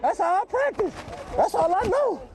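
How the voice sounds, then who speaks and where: A male athlete trash-talks in an extremely high, hollering voice, repeating himself. A crowd is loud around him. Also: big pitch swings, normal speed. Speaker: football player. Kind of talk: boisterous trash talk.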